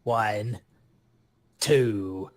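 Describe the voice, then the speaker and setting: A man's voice: on the low side, very slow. A man playing a tabletop roleplaying game, speaking in casual in-character banter.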